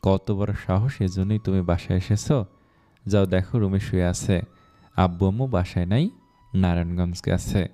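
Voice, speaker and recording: A man's voice: sits low, fairly even intonation, normal speed, dark tone, close to an everyday voice. A man voicing a friendly young woman, an older sister in a spoken story, talking in a teasing, chatty way.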